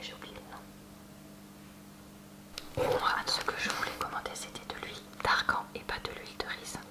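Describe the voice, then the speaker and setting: A woman speaking in a soft, breathy whisper, presenting products in an unhurried ASMR unboxing style with hesitant asides. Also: poor audio. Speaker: ASMR video creator showing purchases. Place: at home.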